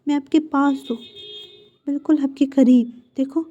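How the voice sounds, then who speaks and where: A woman voicing a gentle, shy young man who reassures his lover in a soft, caring way. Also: high-pitched, steady tone, measured pace. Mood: reassuring. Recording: dull lo-fi recording.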